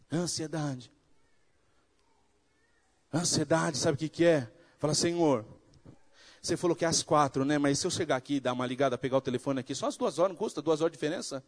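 Man from Brazil, preacher telling his testimony; animated storytelling, rising to fervent preaching, slightly high voice. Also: fast talker. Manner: animated storytelling, acts out dialogue. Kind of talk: sermon testimony.

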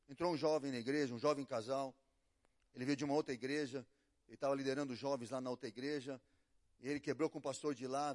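A middle-aged Brazilian man preaching as a pastor, telling a story and swinging between hushed and loud delivery. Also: mid-range voice. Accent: Brazilian Portuguese. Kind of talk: sermon with acted quotes.

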